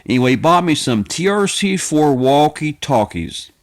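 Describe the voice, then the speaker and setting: A man, rambling casually to his viewers in a folksy, plainspoken way, often halting and circling back over his phrases. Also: fairly high pitch, big pitch swings. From United States. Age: 50s. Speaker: video creator. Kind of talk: casual rambling vlog monologue.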